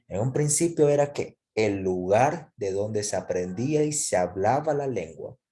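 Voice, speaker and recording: Man, low voice, mellow tone, classroom lecture, explanatory, checks in often. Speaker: teacher.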